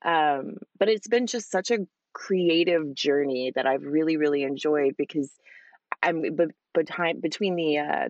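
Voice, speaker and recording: A woman voice actress chatting in an interview, enthusiastic and animated with plenty of fillers. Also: deep voice, dry recording, highs cut off. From Hispanic family, father with Spanish accent. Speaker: voice actress guest. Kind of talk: casual interview answers.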